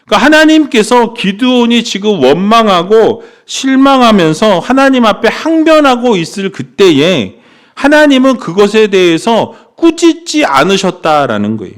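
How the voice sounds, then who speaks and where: A male pastor preaching a sermon, rising to impassioned pleas and dropping low for scripture readings. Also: very animated, moderate pace.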